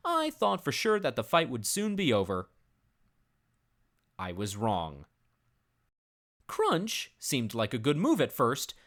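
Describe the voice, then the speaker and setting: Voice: medium pitch, fairly bright tone. A narrator giving a dramatic reading of a comic story in a grave, theatrical storyteller manner.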